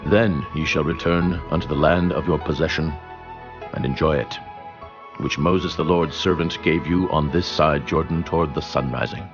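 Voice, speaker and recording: A man playing a grave, commanding Israelite leader in a dramatized scripture audiobook, measured and authoritative. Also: rumbling low, fairly even intonation. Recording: dull, muffled audio. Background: music.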